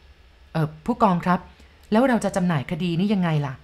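A skeptical male district officer, voiced by a woman storyteller talks slowly and deliberately, scoffing at talk of ghosts. There is a dry amusement in how he speaks. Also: on the low side, lively intonation, a little mellow.

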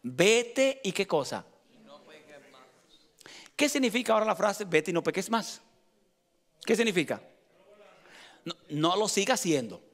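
Man, middle-aged pastor, animated sermon, rhetorical questions, high-pitched. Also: unhurried, long pauses.

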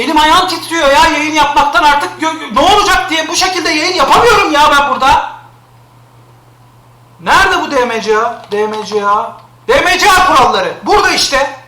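A streamer man complains live, exasperated, circling back over the same gripes. His voice sits very high and sounds bright and sharp. The room around him rings with echo. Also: a little hiss or hum. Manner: exasperated, complaining, repeats himself.

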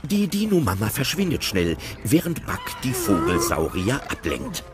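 A man narrates an audio play, telling the action in an animated way. His voice sits low but swings widely. Music plays clearly behind him. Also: moderate pace. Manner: storytelling, animated.

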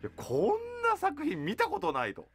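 A man hosting a radio show from a studio in an upbeat, animated manner, chatting with guests. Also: very high-pitched, normal speed, music in the background. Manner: animated, frequently laughing and agreeing. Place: radio studio, seated at a table. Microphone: studio boom microphone, speaking through a face mask.

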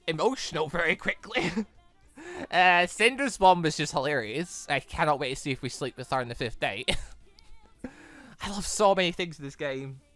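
Bright, rambling gaming host. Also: male voice, on the high side, no room sound. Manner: rambling and enthusiastic, many fillers. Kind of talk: casual let's-play wrap-up talk.

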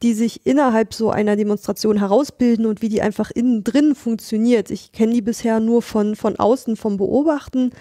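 A woman's voice: fairly high pitch, fairly even intonation, a little fast, few pauses, mellow, dry recording, studio quality. A woman co-hosting a podcast, speaking casually in a recorded message with a recommendation. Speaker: podcast co-host.

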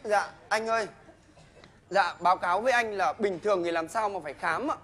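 A man's voice: sits high, brisk, sharp tone. An actor playing a cocky young male patient in a stage comedy sketch, cheeky and wheedling. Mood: sheepish. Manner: cheeky, wheedling, mumbling when embarrassed.

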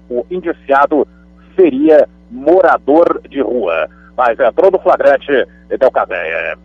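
A man with a Brazilian Portuguese accent delivers the police bulletin on a thin, phone-like line that sounds close and dry. His voice is a bit husky, and his reporting is chatty and emphatic. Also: fairly high pitch, no room sound. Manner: conversational, emphatic asides.

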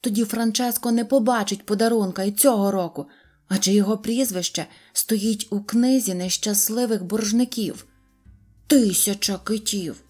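A woman's voice: mid-range voice, normal speed, darkish tone, faint music behind, lightly acted. A woman voicing a bossy old male tin-soldier general in a storybook, speaking commandingly and indignantly.

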